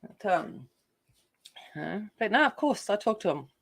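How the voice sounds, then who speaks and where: A woman's voice: mid-range voice, very animated, a little slow, gravelly. A woman casually chatting with live viewers as she colors, rambling and full of fillers. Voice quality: not soothing by her own account. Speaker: coloring channel host. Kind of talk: casual chat while coloring.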